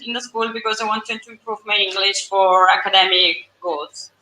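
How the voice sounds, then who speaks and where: A woman's voice: medium pitch, steady tone, moderate pace, sharp tone. Young Italian-accented woman in an echoey room. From Italy. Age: 20s. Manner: searching for words in a second language. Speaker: student guest. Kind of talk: casual interview chat.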